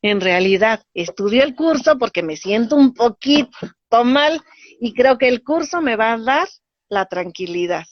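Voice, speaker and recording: A woman, a spiritual teacher explaining ideas in a lively way and acting out little dialogues. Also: a little high, measured pace, no room sound. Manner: animated, acts out voices in dialogue. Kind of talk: teaching talk. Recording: dull lo-fi dry sound.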